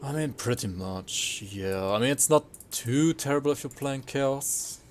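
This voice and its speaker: This streamer, who spent part of his childhood in Sweden, has an expressive mid-range voice and speaks a bit slowly, with a little background hiss or hum. He chats with viewers while playing, rambling casually and closing his thoughts with tag questions.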